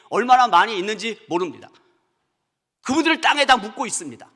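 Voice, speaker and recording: The tone is animated, bright and sharp. A raised, projected voice races along at a very fast pace. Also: man. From Seoul. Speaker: pastor. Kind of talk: sermon. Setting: church.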